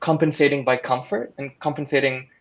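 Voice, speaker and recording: A man's voice: medium pitch, steady tone, a little fast, lo-fi sound. A man speaking as a panelist in a casual discussion, articulate and wordy, with emphatic phrasing. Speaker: audio drama producer on a panel.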